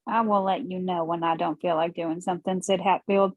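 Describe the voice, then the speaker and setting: A woman's voice: lowish voice, steady tone, a little fast, dry recording, phone-quality sound, lightly acted. A woman reading the part of a defiant, headstrong young wife in a drama, with an assertive, dry manner. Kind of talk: screenplay table read.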